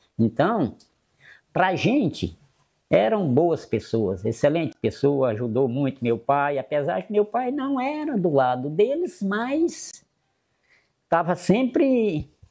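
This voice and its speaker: A very slow pace with long, frequent pauses. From Brazil, north Goiás (Trombas region). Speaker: local resident interviewed in documentary. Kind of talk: testimony. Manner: halting.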